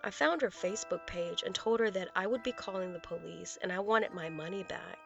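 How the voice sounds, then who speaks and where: A woman narrating a first-person true story in a low-key, matter-of-fact reading. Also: brisk, vocal fry, fairly bright tone, lo-fi sound, soft background music. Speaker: guest narrator.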